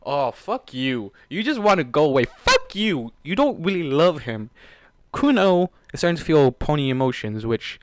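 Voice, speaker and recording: A man's voice: on the high side, very animated, moderate pace, no echo. A man hosting a fan fiction reading, breaking the story with heated, exasperated, sweary commentary and stumbling over words. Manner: emotional, exasperated asides, stumbles when reading.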